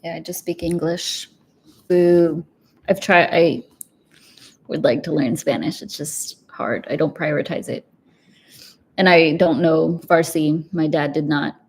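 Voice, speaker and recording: A woman's voice: sits low, steady tone, a little slow, pauses often, slightly rough. A young woman hosting a casual live chat about personal finance, chatty and upbeat, with lots of "like" and easy laughs. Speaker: personal finance livestream host. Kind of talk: casual live chat answering viewer questions.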